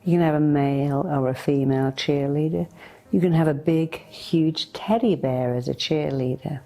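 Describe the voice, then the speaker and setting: A woman leading a guided meditation in a soothing, deliberate way, speaking directly to the listener as a hypnotherapist would. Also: sits low, mellow. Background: meditation music.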